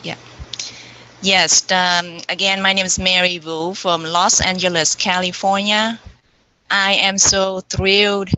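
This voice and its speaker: A woman from Vietnam, speaking on a call in an earnest, halting way with many fillers. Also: fairly low pitch, sharp tone, no echo, rough recording. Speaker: council member. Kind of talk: speech on an online call.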